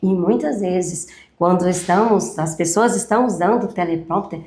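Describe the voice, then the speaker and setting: A woman instructor explaining a speaking technique in a live online class, steady and explanatory. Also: fairly low pitch, normal speed, reverberant. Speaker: communication instructor.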